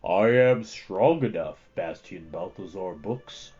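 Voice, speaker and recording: Storybook luck dragon, acted by a reader: huge, proud, booming and weighty, slightly dull recording. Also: animated, warm tone, soft background music. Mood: defiant, solemn. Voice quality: booming, resonant. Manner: slow, weighty, defiant.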